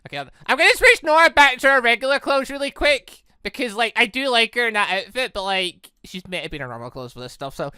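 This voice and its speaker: A man's voice: very high-pitched, animated, fast talker, few pauses, sharp tone, clear, resonant tone, no echo, studio quality. A man giving casual, rambling commentary as he hosts a gaming playthrough, often interrupting himself. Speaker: gaming video host.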